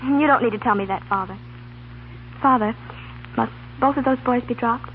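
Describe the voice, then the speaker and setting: A woman's voice: a little high, normal speed, close to an everyday voice. Woman playing a proud young daughter, tinny radio. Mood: concerned. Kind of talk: 1930s radio romantic drama acting. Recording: tinny, noisy 1930s radio recording.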